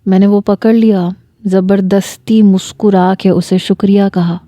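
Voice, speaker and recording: Woman storyteller, first-person narration, unhurried, mellow voice, dry close mic. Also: medium pitch, level tone, dry recording.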